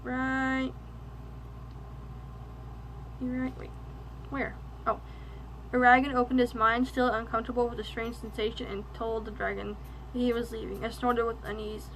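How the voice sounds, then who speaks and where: A young woman reviewing a book, reading passages aloud in a flat, monotone way, with slips and restarts in between. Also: on the high side, a little fast, slight background noise, poor audio. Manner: monotone delivery.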